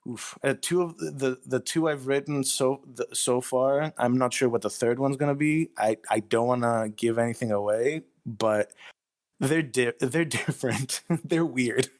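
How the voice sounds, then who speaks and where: A man's voice: mid-range voice, normal speed, darkish tone. Guy from greece, writer being interviewed, kinda hesitant and self-deprecating, casual chat. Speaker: guest writer of audio horror stories.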